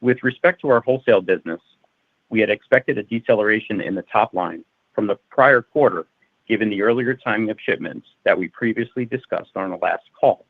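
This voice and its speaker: Lowish male executive on phone line. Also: fairly quick, creaky, breathy edge, dry recording. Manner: formal, methodical reading of figures. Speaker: finance executive. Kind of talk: prepared financial results presentation, read aloud. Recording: narrow-band phone conference line.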